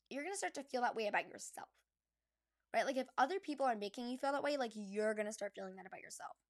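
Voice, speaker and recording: Bubbly, higher-voiced young woman podcasting. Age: young adult. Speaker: podcast host. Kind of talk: casual solo podcast chat. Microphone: close podcast microphone.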